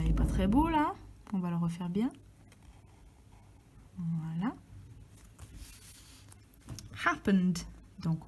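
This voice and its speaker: Woman teaching phonetics, talks real slow and mellow, half whispers as she writes. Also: medium pitch, breathy edge. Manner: slow, talks to herself while writing, drops into soft whispers. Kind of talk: step-by-step transcription lesson.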